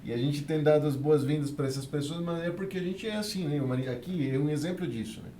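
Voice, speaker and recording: A man's voice: a little high, fast, mellow, echoey room, a little hiss or hum. A man from Venezuela, speaking as an interview guest about immigrant life, earnest and tagging nearly every phrase with a questioning "né". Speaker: guest, immigrant community worker. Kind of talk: podcast interview, telling his experience.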